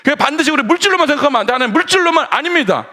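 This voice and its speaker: A man preaching a sermon, his voice pitched high and swinging widely up and down. He keeps asking the congregation questions. Now and then he slows and drops his voice to act out imagined speech. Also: animated. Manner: voices imagined dialogue in a hushed, slowed tone. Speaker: pastor.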